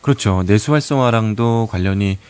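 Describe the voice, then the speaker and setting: A man hosting a radio talk show, mostly giving short agreeing replies and gentle follow-up remarks. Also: fairly low pitch, brisk, clear, resonant tone. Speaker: radio host. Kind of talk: interviewer, short backchannels. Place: radio studio.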